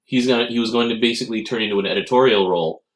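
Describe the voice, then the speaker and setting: A man's voice: medium pitch, racing, roomy sound. A man co-hosting a podcast, talking casually and reflectively and trailing off into fillers. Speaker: podcast co-host. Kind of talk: casual chat.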